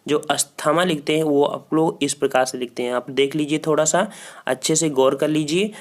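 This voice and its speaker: A man walking students through exam questions as a teacher. He repeats each answer and keeps saying "theek hai" as a filler. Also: mid-range voice. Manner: repeats answers, frequent "ठीक है" fillers, talks to students directly. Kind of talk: Hindi grammar quiz walkthrough.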